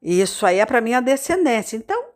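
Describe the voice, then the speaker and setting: Speaking a little fast and very animated, a missionary preacher from Rio de Janeiro with a Carioca Brazilian Portuguese accent shares her personal testimony in an informal, talkative sermon. Her voice is a bit high, and she keeps repeating herself, dropping fillers, and making asides to the people listening.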